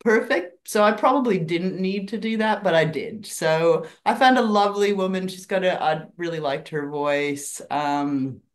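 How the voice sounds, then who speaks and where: A woman from Canada with a Canadian accent mixed with some Australian, talking as an author guest over a video call in a relaxed, modest, rambling way. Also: lowish voice, moderate pace, few pauses. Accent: Canadian with Australian influence. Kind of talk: casual interview chat.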